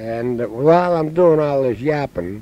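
A man speaks very slowly with a Boston accent, his dark, mellow tone carried on lively intonation in a dry sound with no echo. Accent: Boston-area New England. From Massachusetts, Malden (Boston area). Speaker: retiree recording a family tape. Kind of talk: rambling monologue to a tape recorder. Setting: home recording in a trailer. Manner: halting. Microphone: old recording.

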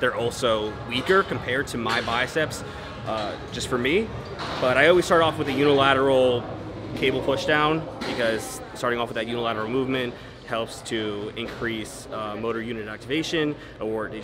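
Music playing behind a voice of ordinary pitch variation. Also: man, moderate pace. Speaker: fitness youtuber. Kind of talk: tutorial. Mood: joking, then explaining calmly. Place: gym.

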